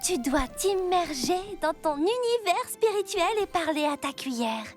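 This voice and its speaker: A woman's voice: very high-pitched, animated, measured pace. A woman voicing a sensible, encouraging girl with a dreamy spiritual side in a French cartoon dub. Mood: calm, mystical. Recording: music behind the voice.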